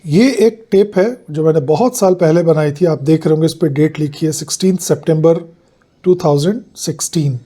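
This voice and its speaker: Male vlog host, Indian accent. High register, soft dark tone, some rasp, formal and deliberate explainer delivery. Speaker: host of an analogue audio channel. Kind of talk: explanatory vlog talk, switching between Hindi and English.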